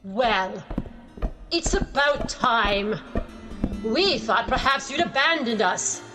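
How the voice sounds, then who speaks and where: A woman playing an imperious, impatient wonderland figure in an audio drama, haughty and drawn-out. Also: fairly high pitch, animated, over music.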